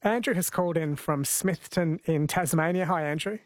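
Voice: medium pitch, normal speed, no echo, clean studio sound. A radio host from New Zealand, taking calls and chatting in a friendly way. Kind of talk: radio call-in hosting.

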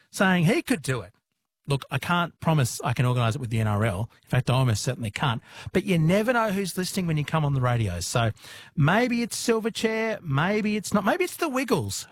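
Australian man, radio host, husky voice, bouncy pitch, playful chat. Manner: chatty, playful, upbeat. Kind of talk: casual radio chat and links. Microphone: studio microphone.

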